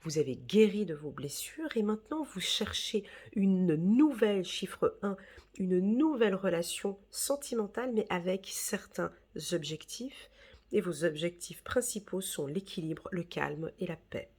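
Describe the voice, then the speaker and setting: A woman's voice: mid-range voice, lively intonation, measured pace, a little mellow, husky. A woman giving a casual, reassuring tarot reading, full of fillers and "d'accord?" checks. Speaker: tarot reader.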